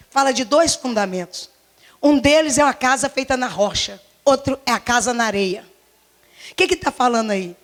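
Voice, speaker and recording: A woman pastor in her forties with a Brazilian Portuguese accent, preaching a fervent sermon in a church, her voice slightly hoarse, repeating herself and firing rhetorical questions. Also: on the high side. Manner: impassioned, repetitive, many rhetorical questions. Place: church service.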